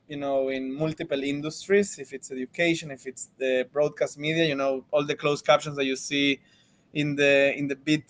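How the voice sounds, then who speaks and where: A man's voice: on the high side, clear, resonant tone. A man from Venezuela, a marketing executive answering interview questions from his office, casual, with many fillers and restarts.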